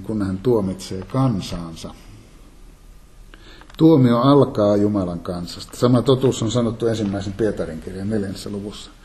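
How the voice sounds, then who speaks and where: A man giving a calm, measured Bible teaching sermon, reading and explaining scripture. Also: fairly low pitch. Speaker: preacher.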